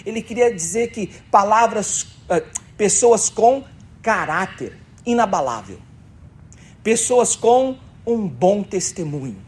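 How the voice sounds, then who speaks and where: Man preaching with lively pitch. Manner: conversational, emphatic preaching with rhetorical questions. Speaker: pastor. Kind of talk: sermon. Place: church.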